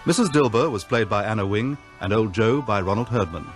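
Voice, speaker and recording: A man's voice: fairly low pitch, expressive, brisk, soft background music. A man with an English accent reading scripted broadcast credits as a radio announcer.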